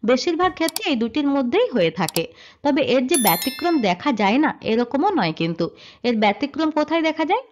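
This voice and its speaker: A woman's voice: sits high, big pitch swings, fast talker, a little hiss or hum. A woman teaching a slide-based grammar lesson. She explains step by step and asks questions that she then answers herself. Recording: dull lo-fi sound.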